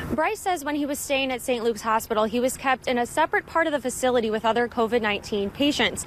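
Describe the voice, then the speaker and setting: Noticeable background noise sits behind a woman's high voice. She talks at a very fast pace with ordinary pitch variation. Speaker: TV news reporter. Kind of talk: TV news report.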